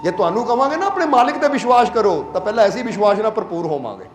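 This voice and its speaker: A man's voice: sits high, sing-song, racing, echoey room. A man from Punjab, India, giving a sermon as a spiritual leader, telling stories and often asking listeners if they understand. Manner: storytelling, plain conversational preaching. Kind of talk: sermon to a congregation.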